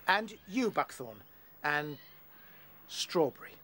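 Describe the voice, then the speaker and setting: Young rabbit leader, lightish voice, earnest and decisive, radio drama. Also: male voice, on the high side, very animated, slow pace, bright, forceful tone, exaggerated voice. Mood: earnest, leading. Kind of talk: naturalistic radio drama acting.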